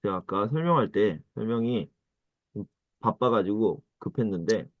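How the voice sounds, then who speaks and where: A man teaching Korean grammar in an online lesson, repeating phrases slowly and acting out little dialogues in a higher, excited voice. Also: no echo, lo-fi sound.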